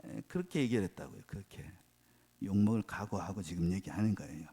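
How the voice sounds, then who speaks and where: A man's voice: sits low, quick pace, breathy edge. A male pastor giving a Sunday morning sermon in a church, quizzing the congregation and joking as he goes. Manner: animated, asks the congregation questions, jokes. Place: church sanctuary.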